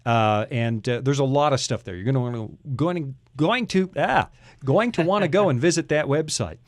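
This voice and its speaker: Male show host: medium-pitched, informal, teasing, recorded dry in a studio. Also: lively intonation, moderate pace, dry recording. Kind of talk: casual studio chat.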